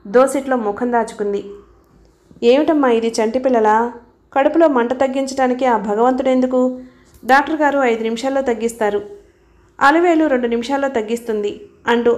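Higher-pitched woman reading a novel aloud. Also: darkish tone. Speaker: audiobook narrator. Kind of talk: storytelling narration with character dialogue.

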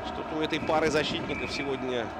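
A man calling ice hockey play-by-play as a partisan home-team commentator, moving between subdued and excited delivery. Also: a little high, fast. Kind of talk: live sports play-by-play commentary. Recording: loud arena noise behind the voice. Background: noisy hockey arena.

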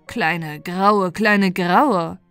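A woman's voice: lowish voice, extremely slow, fairly bright tone, clean tone, dry recording, soft background music, full character voice. A woman voicing a vain, bossy old mother pigeon in a storybook, cooing and repeating her commands. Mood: bossy, condescending.

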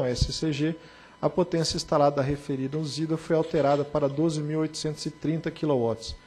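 Brazilian man, formal report reading, somewhat high, slightly husky. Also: darkish tone. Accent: Brazilian Portuguese. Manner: measured and formal, with short spoken asides. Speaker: reporting director at a regulatory board.

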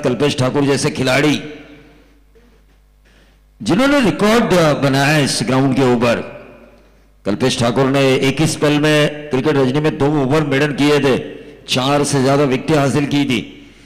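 A man's voice: mid-range voice, moderate pace, long reverb tail, poor audio. A man giving live cricket commentary, rhetorical and emphatic, asking questions and answering them himself. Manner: rhetorical, emphatic, quotes film dialogue for flair.

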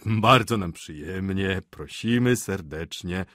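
A man voicing an excitable, flustered middle-aged father in an audiobook, with fussy exclamations. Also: fairly low pitch, a little slow, no room sound, clean studio sound. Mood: effusive.

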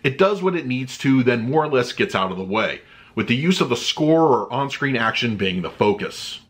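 Sitting at home in a room with disc-filled shelves, a man in his thirties reviews a movie disc with a medium-pitched, very animated voice at a moderate pace. Loose chat comes first, followed by him reading a written review.

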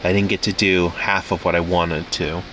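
A man in his thirties vlogs from inside his parked car at night, sounding low-key and a bit defeated, mocking himself as he goes. His voice sits on the low side. A faint hum of noise is there behind him. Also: flat delivery, normal speed, fairly bright tone, poor audio. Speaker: vlogger. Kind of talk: casual solo vlog. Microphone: camera close by in the car.

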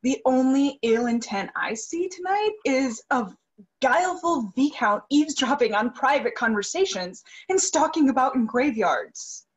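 Casting: actress playing a young grieving daughter, higher-pitched and husky, earnest stage-drama delivery. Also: female voice, lively intonation, unhurried, dull audio, full character voice. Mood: defensive. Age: young adult. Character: earnest, grieving young soprano, devoted to her dead father. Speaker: actress in a virtual staged reading. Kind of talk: dramatic stage play reading. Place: indoor room, video call. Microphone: video call microphone.

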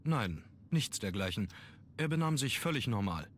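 An actor playing a grave, brooding young aristocratic heir in a video game, speaking in a measured way. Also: male voice, mid-range voice, big pitch swings, a little hiss or hum, close to an everyday voice. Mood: guarded. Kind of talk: German video game voice acting.

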